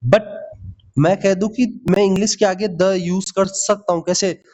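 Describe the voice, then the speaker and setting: A man teaching English grammar in for exam prep, lively, often asking "ठीक है?" and calling his students "भाई". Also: high-pitched, normal speed. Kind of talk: Hindi grammar lesson with English examples. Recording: slightly dull lo-fi audio.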